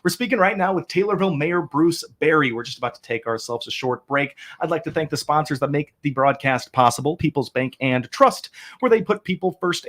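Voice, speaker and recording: A male morning radio host with a mid-pitched voice and a quick pace. He talks in an enthusiastic, agreeable, conversational interview style.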